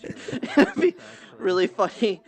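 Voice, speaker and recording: A woman's voice: medium pitch, wildly swooping pitch, slow pace. A woman chatting during an online roleplay, teasing playfully and laughing a lot. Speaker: roleplay player.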